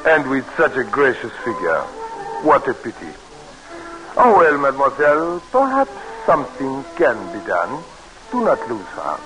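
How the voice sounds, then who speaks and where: A suave, flirtatious French minister, played by an actor, speaking slowly with a lively, rising and falling voice. Vintage radio drama sound, with faint music underneath. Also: male voice, mid-range voice, lightly acted, poor audio. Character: flirtatious French government minister, middle-aged man. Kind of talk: 1940s radio acting. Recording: old radio broadcast.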